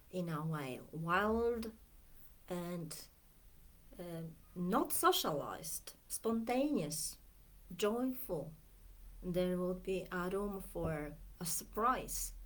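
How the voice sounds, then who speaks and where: Slow, soft-spoken Polish woman. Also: fairly low pitch, poor audio. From Poland. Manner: slow, soft and musing, drifting into near-whispers. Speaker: coach. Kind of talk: reflective Facebook video talk.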